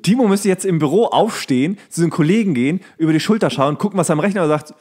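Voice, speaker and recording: A man's voice: on the high side, lively intonation, quick pace, darkish tone. A man in casual, comedic podcast banter as a co-host, joking and mock-indignant. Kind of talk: casual comedic banter, guessing slang words.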